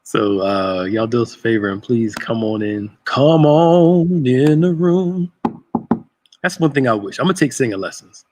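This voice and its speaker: A man's voice: mid-range voice, lively intonation, measured pace, darkish tone, slight background noise. A man in his thirties hosting a casual livestream chat, joking and greeting viewers by name. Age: 30s. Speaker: host.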